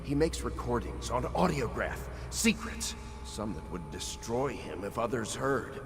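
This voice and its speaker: Frightened servant in a game: hurried and pleading, with a reverberant sound over loud background noise. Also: male voice, mid-range voice, very animated. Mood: urgent. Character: frightened male servant begging for his life.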